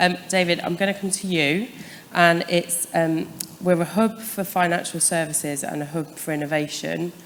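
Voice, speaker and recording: Fairly low pitch from a woman at a moderate pace, with fairly even intonation and noticeable background noise. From English Midlands. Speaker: panel moderator, fintech founder. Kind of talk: panel discussion.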